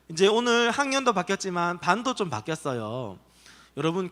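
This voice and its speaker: A man pastor leads a children's service, telling a Bible story with lots of questions to the kids. His voice is high and bright and swings widely in pitch. It rings out in a reverberant hall. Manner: animated, asks children questions and acts out voices. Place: church children's worship hall.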